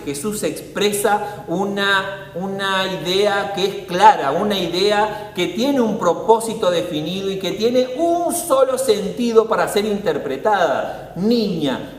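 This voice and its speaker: A high-pitched man with a Rioplatense accent delivers a sermon. He is animated and theatrical, slipping into little character voices. The recording is roomy, with a long echo from the hall. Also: recorded from a distance. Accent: Rioplatense Spanish. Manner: animated, acts out scenes with voices. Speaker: preacher. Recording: echoey hall, long reverb.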